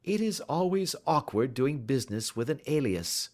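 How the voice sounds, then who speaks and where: A shrewd gentleman detective with a smooth, bland and assured delivery, as a male reader voices him. His speech rises and falls in lively arcs, but he never loses his composure. He sounds like a character in a classic storybook. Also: medium pitch, moderate pace, voice pushed up, natural voice.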